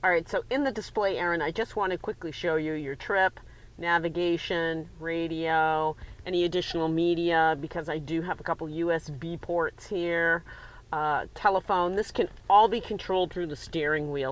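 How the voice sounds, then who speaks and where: In a dry recording with no echo, a woman with a fairly low pitch and an unremarkable speaking voice talks at a moderate pace with fairly even intonation. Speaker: car salesperson. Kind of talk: product walkaround tour. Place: car. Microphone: phone near.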